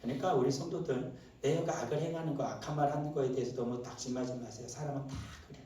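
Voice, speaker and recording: A male pastor preaching a Sunday sermon, swinging from low murmurs to loud, shouted exclamations and asking the congregation rhetorical questions. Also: fairly even intonation, fast, slight background noise. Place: church sanctuary. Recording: very echoey church hall, mic at a distance.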